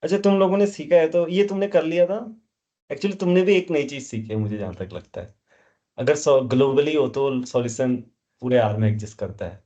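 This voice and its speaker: Delivering a math lecture a little fast in a dark, medium-pitched voice, a man scolds his students. He quizzes them continually as he moves through the material.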